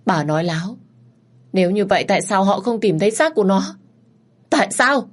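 A woman's voice: fast, slightly rough. A woman voicing a frantic mother demanding to know where her daughter's body is. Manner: pleading, shrill.

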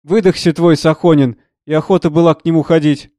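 A sneering, domineering moneyman who bullies and mocks everyone in the room, as a man reading a play puts him on. The voice sits a touch high for a man, close and completely dry. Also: fairly even intonation, a little fast, warm tone, dry recording, lightly acted. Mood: scornful. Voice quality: sneering, scornful. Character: rude domineering middle-aged man, blustering financier.

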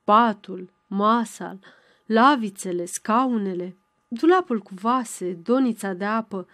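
A woman narrating a novel in a measured storytelling delivery. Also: medium pitch, fairly bright tone, no echo, studio quality. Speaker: audiobook narrator. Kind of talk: scripted literary narration.

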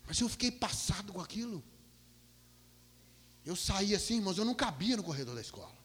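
A male pastor preaches with an animated storytelling delivery, moving from loud bursts down to hushed, low passages. His voice is bright and sits fairly high. A long reverb from a large hall trails behind his words. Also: fairly quick, a little hiss or hum. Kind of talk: storytelling sermon.

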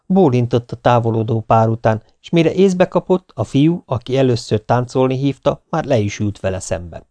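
A man from Hungary narrating a short story audiobook in a steady, measured way. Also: mid-range voice, no room sound. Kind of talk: scripted narration.

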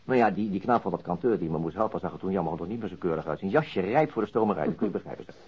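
An actor playing a stubborn, dry-humoured middle-aged police detective in a Dutch radio drama, wry and self-interrupting. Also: male voice, low voice, animated, very fast, darkish tone, breathy edge. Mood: animated, wry. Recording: muffled archived radio drama recording.

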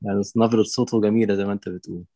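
Quick, halting Egyptian man calling in. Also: on the low side, fairly even intonation, dark tone, no room sound. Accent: Egyptian Arabic. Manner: halting, many restarts and fillers. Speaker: caller. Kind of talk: call-in question on an online lecture.

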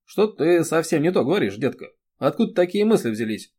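A man's voice: fairly high pitch, big pitch swings, a little fast, darkish tone, husky, pitched above the performer's own voice. A male reader voicing a blunt, protective young man who talks firmly and soothingly. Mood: stern insistence. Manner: firm, reassuring, sometimes barking. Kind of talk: audiobook character reading.

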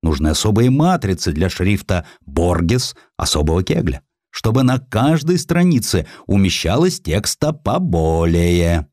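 A male reader puts on a grasping printer-publisher from a historical story. He argues with calculating insistence, his pitch rising and falling animatedly. The sound is dry and close. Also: sing-song, unhurried, a little mellow, no room sound. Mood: insistent. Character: self-serving, grasping male printer-publisher angling for money.

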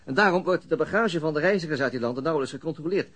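A man's voice: fairly high pitch, rapid-fire, a bit bright, slightly rough. A man acting a weary, middle-aged police detective in a radio drama, explaining things methodically with small hesitations. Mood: matter-of-fact.

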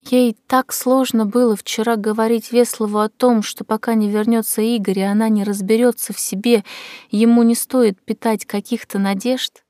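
A woman narrating an audiobook in a measured, expressive reading. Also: on the high side, no room sound. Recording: dry close recording.

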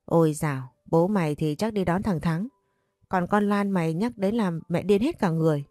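A woman voicing a weary, tender old grandmother who speaks gently. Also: lowish voice, moderate pace, no room sound, clean studio sound, lightly acted.

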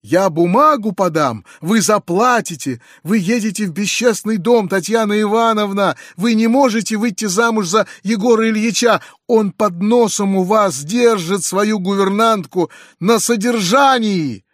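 A man reading an audiobook, voicing a shrill, furious middle-aged noblewoman in an indignant screeching tirade. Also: expressive, moderate pace, hardly any pauses, a little mellow, slightly rough, no echo, clean studio sound. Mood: shrieking rage. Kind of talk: audiobook character voice.

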